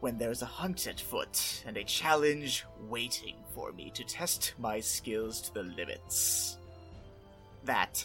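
Clear music plays in the background as a man talks at a fairly slow pace. He uses a put-on character voice. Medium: actual play. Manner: courtly, playful, self-assured.

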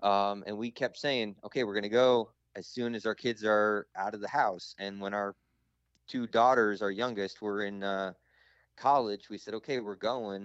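In an American accent, a man with a fairly low pitch talks at a moderate pace in a normal speaking voice, his intonation fairly even. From New Jersey. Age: 40s. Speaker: amateur guitarist and businessman. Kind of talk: casual chat.

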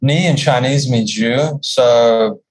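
With an American accent, a man speaks at a medium pitch in a somewhat breathy voice with ordinary pitch variation. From US South, North Carolina. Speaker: healing coach. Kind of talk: interview. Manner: halting.

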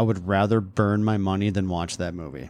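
Speaking at a very fast pace, a man with a fairly low pitch uses a playful tone. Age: 40s. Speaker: parent and podcast host. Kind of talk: casual chat. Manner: playful, joking.

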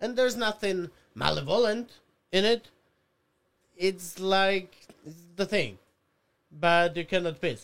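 Speaking with a Slovak accent, a man uses a high pitch, ordinary pitch variation, and long, frequent pauses. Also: fairly slow pace. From Slovakia. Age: 30s. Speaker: puppeteer and stand-up comedian. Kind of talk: casual chat. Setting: studio. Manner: animated.

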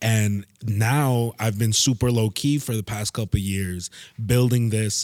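With a New Jersey accent, a man of medium pitch speaks at a fairly slow pace with fairly even intonation, the sound dry and close with no echo in a very clean recording over a silent background. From New Jersey, Passaic County. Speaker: podcast host. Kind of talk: casual chat. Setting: studio.

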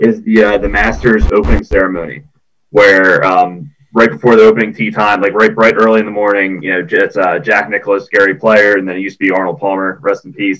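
A man with an ordinary speaking voice talks at a fairly quick pace. His pitch is fairly low, with ordinary variation. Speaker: sports talk co-host. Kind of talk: casual sports talk banter.

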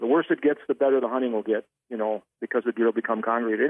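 Here is a man with an American accent and a plain, everyday voice. His pitch sits in the medium range, with fairly even intonation. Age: 60s. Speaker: hunting TV host and writer. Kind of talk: casual interview chat.

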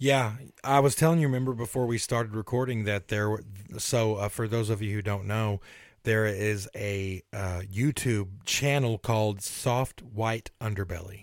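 A man talks at a moderate pace in an ordinary speaking voice, fairly low in pitch with ordinary pitch variation. The recording is very clean, with a silent background. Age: 40s. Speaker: podcast co-host and researcher. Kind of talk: reading research notes aloud; casual chat.

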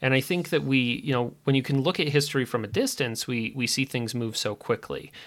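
In a very clean recording with a silent background, a man with an ordinary speaking voice talks at a fairly quick pace with ordinary pitch variation. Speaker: podcast host and writer. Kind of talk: scripted podcast intro and casual conversation.

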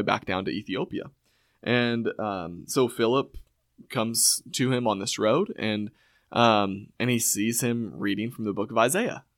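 The recording is very clean and the background is silent. An ordinary speaking voice goes at a moderate pace, and its pitch variation is ordinary. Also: man. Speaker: podcast host. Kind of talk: casual Bible discussion podcast. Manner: conversational, filler words.

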